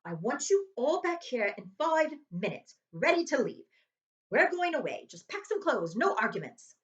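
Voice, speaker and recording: A woman's voice: high voice, very animated, moderate pace, dull audio, voice pushed up. Woman putting on a blustering, bossy storybook uncle. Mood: furious, commanding. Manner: emphatic, exclaiming, bossy. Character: blustering, angry middle-aged uncle, stubborn and domineering. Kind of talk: children's storybook read-aloud.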